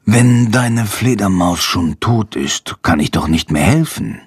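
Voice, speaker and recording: A man doing a calm, low-voiced vet. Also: measured pace, husky, no room sound, clean studio sound, heavily acted. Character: calm, matter-of-fact male vet on the phone. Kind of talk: children's audiobook.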